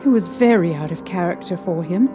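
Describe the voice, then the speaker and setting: A woman playing a young mother shaken by strange happenings, recalling them in a halting, hesitant way. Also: on the low side, animated, natural voice. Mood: troubled. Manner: hesitant, halting recollection with restarts. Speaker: interviewee recounting events. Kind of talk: fan audio drama acting. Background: faint music.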